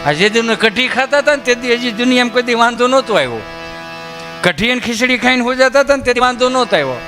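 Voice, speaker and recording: A man's voice: extremely high pitch, lively intonation, quick pace, long reverb tail, music in the background. A man performing folk comedy on stage, telling village stories and acting out the people in them. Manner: acts out villagers' voices in his tales.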